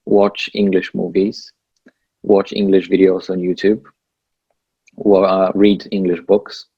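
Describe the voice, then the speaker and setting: A man's voice: low voice, slow, husky, no echo, muffled recording. A young man from Bulgaria with a Bulgarian accent, speaking English as a second language and giving earnest advice as a guest in a casual interview. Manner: relaxed, earnest, laughs between points. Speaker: guest, PhD student.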